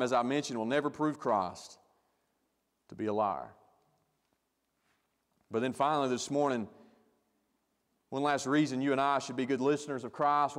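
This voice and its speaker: A male pastor preaching a sermon with emphatic delivery, growing louder when he stresses a point. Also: medium pitch, long reverb tail.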